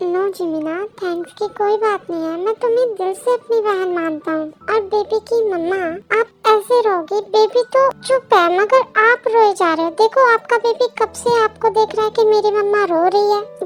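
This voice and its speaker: Music plays in the background as a put-on character voice talks at a moderate pace. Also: woman. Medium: read story. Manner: firm, brotherly.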